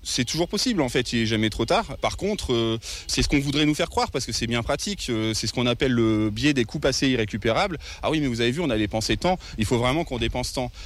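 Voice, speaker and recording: A man's voice: medium pitch, expressive, fast talker, few pauses. A young man from northern France, an ecologist activist answering interview questions earnestly, with many hesitations. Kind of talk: interview at a protest.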